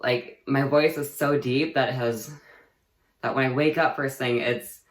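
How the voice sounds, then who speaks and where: A man's voice: mid-range voice, steady tone, a little slow. A young man vlogging a casual personal update, rambling and chatty with lots of fillers and easy laughter. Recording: echoey room.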